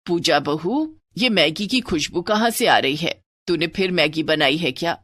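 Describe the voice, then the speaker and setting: A stern, nagging mother-in-law, put on by a woman narrator for an animated story. The voice sits a little lower and scolds with a lively, rising and falling pitch. The recording is dry and close. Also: measured pace, dry recording, full character voice. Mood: scolding.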